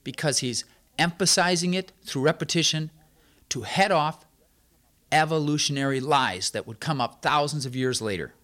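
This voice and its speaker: A man's voice: on the high side, moderate pace, a bit bright. A man giving an emphatic sermon, stressing points through repetition as a Bible teacher.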